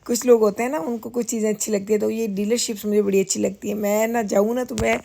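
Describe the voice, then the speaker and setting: A woman's voice: medium pitch, steady tone, fast talker, gravelly, mellow. A middle-aged woman from Pakistan chatting casually in a vlog, rambling and laughing easily as she drives and waits. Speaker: vlogger. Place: car while driving, then dealership lounge.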